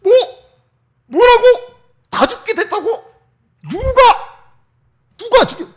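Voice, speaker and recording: Guy doing a loud high lovestruck king, bright forceful bellowing, all over the place. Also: sing-song, a little slow, full character voice. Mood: outraged. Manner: shouting, bursting out in exclamations. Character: excitable lovestruck ancient king, loud and blustering.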